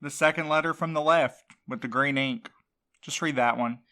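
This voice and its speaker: A woman's voice: deep voice, normal speed, a bit bright. A woman voicing a blunt, sardonic widowed courier in an audio drama. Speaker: night courier.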